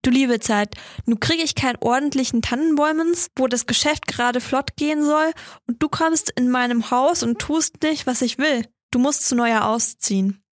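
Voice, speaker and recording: A woman's voice: a little high, brisk, dry recording, studio quality, lightly acted. A woman voicing a grumpy old male carpenter who scolds in broken, old-fashioned grammar. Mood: scolding.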